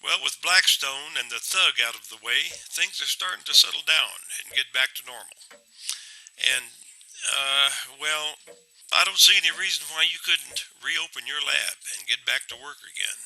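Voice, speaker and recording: An actor playing a courteous, friendly police captain in an audio drama phone scene, polite and measured. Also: male voice, fairly high pitch, gravelly, pushed and bright, exaggerated voice, poor audio. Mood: cordial. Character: courteous, friendly male police captain bearing good news.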